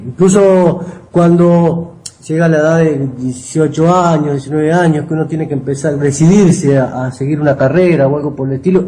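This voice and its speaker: A middle-aged man with a Rioplatense Spanish accent, a writer and copy editor, answers interview questions in a conversational way, explaining things and often checking in with short tag questions. His voice is mellow and on the high side, and the poor recording carries slight background noise.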